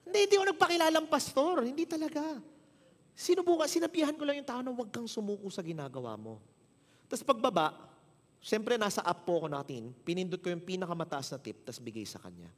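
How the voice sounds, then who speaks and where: Animated Filipino pastor in a reverberant hall. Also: male voice, high-pitched, fast talker. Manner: animated, acts out dialogue with shifting voices. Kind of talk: sermon with storytelling. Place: church hall.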